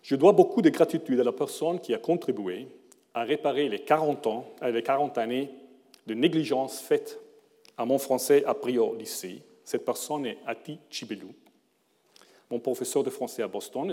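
A middle-aged man, speaking a language that is not his native one, gives a formal lecture in a mellow, rounded voice. He reads carefully and corrects himself now and then. The sound carries the long reverb of a large lecture hall. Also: medium pitch. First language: not French. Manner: careful, measured delivery with occasional self-corrections.

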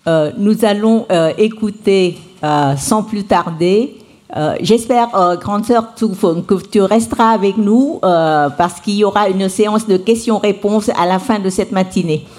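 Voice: mid-range voice, unhurried, darkish tone. A conference moderator introducing the next speaker, hesitant and full of fillers.

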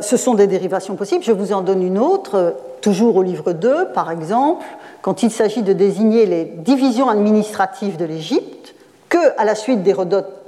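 A woman's voice: mid-range voice, dark tone, in a large hall. A woman professor giving an academic lecture, explaining at length with fillers and self-corrections. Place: lecture hall.

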